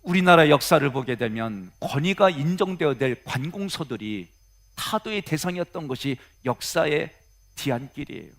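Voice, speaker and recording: A man's voice: mid-range voice, a bit bright. A middle-aged man preaches to his congregation in a plain, conversational way. His mid-range voice turns earnest and rises to emphatic peaks as he presses his points. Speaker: pastor. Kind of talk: sermon.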